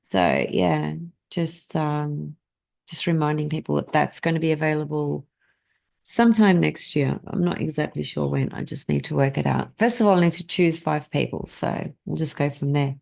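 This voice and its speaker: A woman's voice: low voice, moderate pace, gravelly, a little mellow. A woman whose first language is Greek, hosting a casual astrology live stream and talking to her viewers in a rambling way, with many fillers and restarts.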